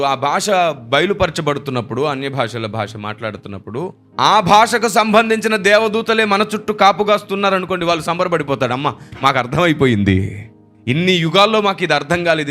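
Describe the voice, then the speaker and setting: A man's voice: high-pitched, sharp tone. A man preaching a sermon, emphatic and repeating phrases for stress. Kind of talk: Telugu sermon.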